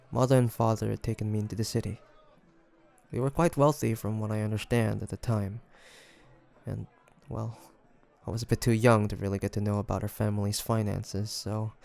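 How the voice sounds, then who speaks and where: Man acting a halting, gravelly young demon hunter. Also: lowish voice, steady tone, dark tone. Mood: wistful. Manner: hesitant, halting, stammering. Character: young male demon hunter, flustered, haunted by childhood loss. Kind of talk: scripted audio roleplay monologue.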